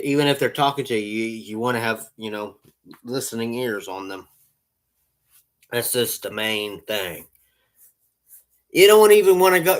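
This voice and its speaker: A man's voice: medium pitch, a bit bright. A man who runs a lawn care business, giving casual, rambling advice with lots of repeats and restarts.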